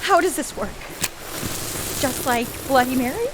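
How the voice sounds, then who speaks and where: A resentful young woman played by an actress snipes through a horror radio play. Her voice is high and exasperated, set against clearly audible rainy noise. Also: expressive, unhurried. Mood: sarcastic, irritated. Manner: sarcastic, exasperated. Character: snarky, resentful young woman, a former bully.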